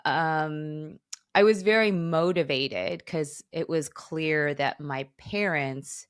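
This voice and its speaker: A woman's voice: low voice, slow pace, no room sound, clean studio sound. A woman in her forties with an American accent and Korean as her first language, telling her life story casually as a podcast guest, often chuckling as she talks. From suburbs of Chicago, United States. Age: 40s. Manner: chuckles often while talking. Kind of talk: casual autobiographical interview talk.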